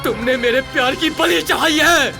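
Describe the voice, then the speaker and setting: A man's voice: very high-pitched, moderate pace, vocal fry. An actor playing a bitter, crazed, grieving male lover out for revenge in a dubbed film melodrama. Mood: bitter grief. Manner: bitter, emotional, accusing. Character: vengeful grieving young lover, crazed and accusing. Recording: loud background music over dubbed voice.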